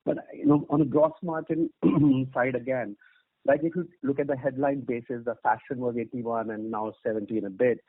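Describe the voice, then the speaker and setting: A man's voice: medium pitch, animated, moderate pace, gravelly, dry recording. Male analyst on a dry phone line. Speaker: financial analyst. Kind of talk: questioning on an earnings call.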